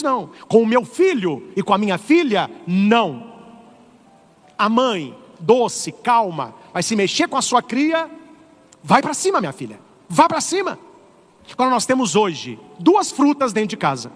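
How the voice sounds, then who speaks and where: A middle-aged man with a Brazilian Portuguese accent, a priest preaching an animated, humorous sermon. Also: high-pitched, big-room sound. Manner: animated, humorous, acts out voices. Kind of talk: lively sermon.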